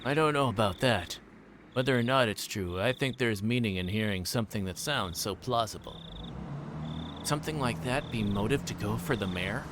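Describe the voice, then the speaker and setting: A man's voice: lowish voice, normal speed, noisy background, close to an everyday voice. A man reading aloud the part of a folksy, self-deprecating older detective in a visual novel, musing to a junior colleague.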